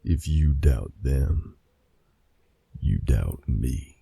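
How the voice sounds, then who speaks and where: Brief: male actor as a gravelly, dark-voiced werewolf alpha, slow and commanding. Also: very deep voice, animated, dry recording, heavily acted. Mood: stern. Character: male werewolf pack leader, protective and stern. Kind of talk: fan audio drama acting.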